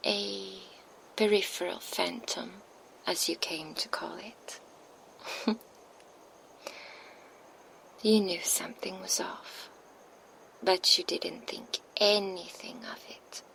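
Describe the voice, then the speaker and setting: A cold female vampire, as a woman acts her out, whispers slowly and menacingly right beside a binaural mic. The low, gravelly whisper takes its time with every taunt, and a faint hiss sits beneath it. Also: fairly even intonation, heavily acted, rough recording. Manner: soft unvoiced whisper, slow and taunting. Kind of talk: ASMR roleplay, whispered. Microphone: binaural microphone.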